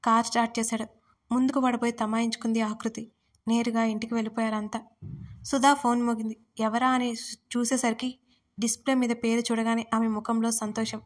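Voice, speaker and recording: Flat-toned woman narrating a story. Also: fairly high pitch, a little fast. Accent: Telugu. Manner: voices characters' lines with small shifts.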